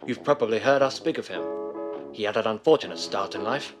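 A man's voice: on the low side, a little fast, over music, lightly acted. A man playing a confident, reassuring businessman husband in a 1930s-style radio drama. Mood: earnest, confident. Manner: breezy, reassuring.

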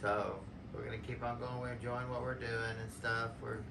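A man's voice: mid-range voice, flat delivery, moderate pace, gravelly, recorded from a distance. A man chatting casually and plainly beside the host. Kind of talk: casual chat. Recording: roomy, off-mic, noisy.

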